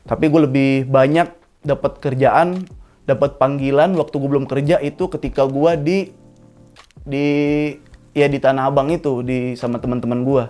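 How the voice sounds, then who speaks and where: A man, telling stories from his own life as a stand-up comic. His voice sits at a middle pitch but jumps up when he reaches a punchline, and the delivery is loose and full of slang. He was recorded in a studio with faint music underneath. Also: normal speed. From Jakarta, Indonesia. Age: 20s. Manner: casual slangy storytelling with animated pitch jumps. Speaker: stand-up comedian. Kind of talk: comic monologue storytelling.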